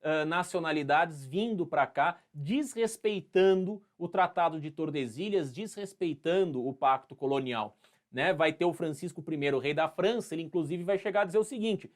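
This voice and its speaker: A high-pitched man with an interior São Paulo accent teaches history in a live online class. He is playful and chatty, greets students by name, and acts out little scenes to make a point. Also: moderate pace. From Brazil.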